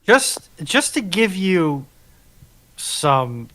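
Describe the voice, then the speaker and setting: A man's voice: sits high, big pitch swings, drawn-out words, a bit bright. A man in a casual military history discussion, explaining things in an insistent way.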